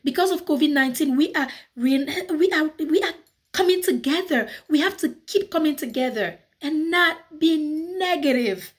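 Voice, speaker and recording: A woman's voice: high-pitched, expressive, a little slow. A woman with a Cameroonian accent, ranting passionately in a casual vlog and switching between French and English. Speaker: YouTuber. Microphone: phone.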